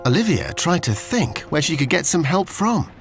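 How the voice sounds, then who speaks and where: A man's voice: fairly high pitch, big pitch swings, moderate pace, over music. A man with a British accent reading a scripted children's story, expressively, as a storyteller to young children.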